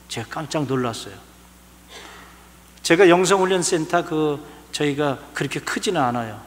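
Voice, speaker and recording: A male pastor preaching a sermon, swinging from soft asides to loud emphatic lines. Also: a little high. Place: large church hall. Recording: church sermon with long hall reverb.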